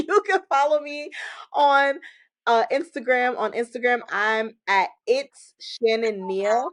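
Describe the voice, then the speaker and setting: Woman guest, higher voice, emphatic and preachy, dry close sound. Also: takes it slowly, dry recording. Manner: animated, preachy, laughing, emphatic exhortations. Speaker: podcast guest. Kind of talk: casual testimony-style faith talk.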